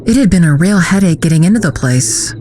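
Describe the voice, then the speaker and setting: Actress as wry, guarded woman with a lowish voice. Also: lively intonation, fairly quick, dark tone, slight background noise, natural voice. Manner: dry, sardonic. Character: wry, guarded woman recalling a youthful misadventure. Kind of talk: audio drama narration and dialogue.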